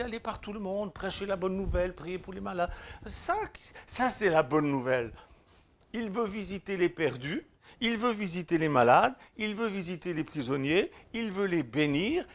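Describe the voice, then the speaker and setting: Fervent Swiss pastor with a lively pitch. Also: male voice. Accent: Swiss French. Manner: emphatic, exhorting, swings between loud declarations and quiet asides; informal, speaks directly to the listener with tu. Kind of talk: sermon.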